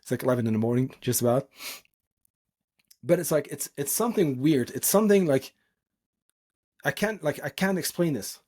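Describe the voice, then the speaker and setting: A man's voice: on the high side, animated, moderate pace, long pauses, darkish tone. A man from the Netherlands, a native Dutch speaker, hosting a solo podcast and coaching in an informal, earnest, emphatic and unscripted way.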